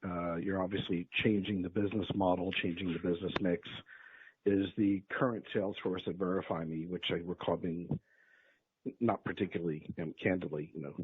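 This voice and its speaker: Male analyst on a phone line, very low and rough-edged, formal and wordy questioning. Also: fairly even intonation, brisk, a little hiss or hum. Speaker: analyst caller. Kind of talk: formal questioning on an earnings call. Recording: narrow tinny phone line.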